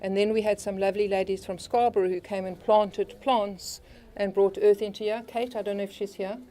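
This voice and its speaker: A woman's voice: medium pitch, little pitch movement, a little fast, warm tone. A woman thanking helpers and staff at an opening event, talking loosely and repeating okay. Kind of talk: outdoor opening speech.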